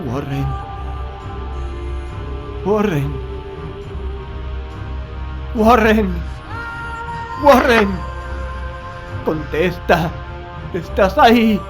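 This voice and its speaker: A man's voice: high-pitched, expressive, very slow, pauses often, over music, full character voice, low-quality recording. An actor playing a frantic, frightened man desperately calling out to his lost friend in an audiobook horror drama.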